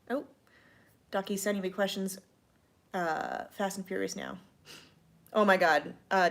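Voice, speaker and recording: Chatty tipsy woman host. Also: fairly low pitch. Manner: chatty and playful, lots of ums and likes. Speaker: podcast co-host answering listener questions. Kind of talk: casual tipsy livestream Q&A.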